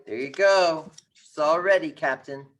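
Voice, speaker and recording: A man's voice: a little high, unhurried, fairly bright tone. A man playing a protective, affectionate boy, an older brother, in a screenplay table read. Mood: caring.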